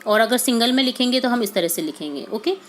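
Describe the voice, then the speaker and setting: A woman's voice: on the high side, lively intonation, quick pace, a little hiss or hum. A woman teacher going through workbook answers step by step, mixing English words into her explanations. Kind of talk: workbook solution lesson.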